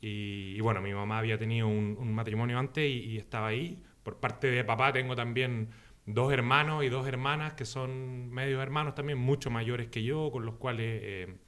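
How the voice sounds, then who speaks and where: A man's voice: medium pitch, steady tone, moderate pace, fairly bright tone, clear, resonant tone. A man from Santiago with a Chilean Spanish accent, recounting his childhood casually as a podcast guest, hesitant and full of fillers. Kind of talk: casual chat.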